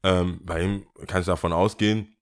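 A man's voice: deep voice, fairly even intonation, moderate pace, smooth. A young man in casual chat, telling a story animatedly, acting out dialogue and dropping in English slang.

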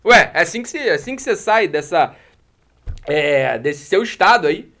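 A man's voice: sits high, lively intonation, a little fast, sharp tone. A Brazilian man giving blunt motivational advice, scolding and coarse, often tagging lines with a questioning "né?". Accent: Brazilian Portuguese. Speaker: teacher answering audience messages.

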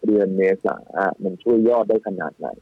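A man giving casual, animated stock-market talk as a guest analyst, with many restarts and fillers. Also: on the low side, brisk, no room sound. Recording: tinny phone-line audio, faint music.

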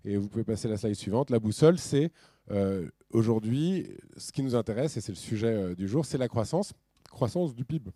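A middle-aged man from France giving a talk with slides, casual and animated, with ironic asides and many restarts. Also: mid-range voice, moderate pace, no room sound. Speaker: speaker at a business talk.

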